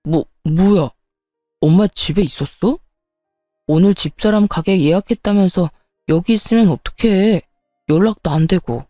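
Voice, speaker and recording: A flustered young husband, scolding and worried as he tries to calm a quarrel. A woman plays him in her story reading. His voice sits lower than hers, mellow and dry. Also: moderate pace, no room sound, soft background music, close to an everyday voice. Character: exasperated young-adult husband.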